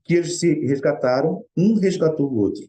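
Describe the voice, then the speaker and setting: A man's voice: a little high, a little fast, mellow. A middle-aged Brazilian man speaking in an earnest, conversational way, telling a personal story in a Spiritist study talk. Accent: Brazilian Portuguese.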